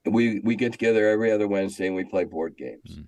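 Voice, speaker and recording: A man's voice: lowish voice, quick pace, dark tone, no room sound, low-quality recording. An older man reminiscing casually in an interview, speaking emphatically and repeating phrases to make his point. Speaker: game designer and magazine editor guest.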